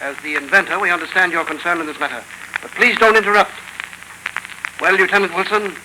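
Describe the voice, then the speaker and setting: An actor playing a stern army general presiding over a court-martial, in 1930s radio drama acting. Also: male voice, high voice, fairly quick, natural voice. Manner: stern, commanding. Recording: hissy 1930s radio broadcast recording.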